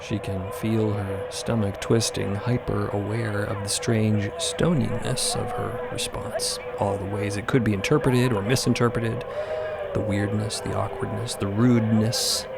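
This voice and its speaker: A man's voice: lowish voice, fairly even intonation, measured pace, gravelly, over loud music. A man narrating a scripted dramatic story as one of several narrators.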